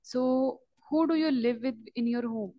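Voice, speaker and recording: Brisk woman examiner asking questions. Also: high-pitched, dark tone, no echo. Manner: brief, formal questions. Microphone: video call.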